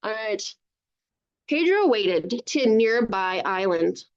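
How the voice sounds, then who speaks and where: A woman reading a storybook aloud to children over a video call, with animated narration and encouraging, chatty asides, in dull lo-fi sound. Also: mid-range voice, takes it slowly. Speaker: children's author reading own book aloud.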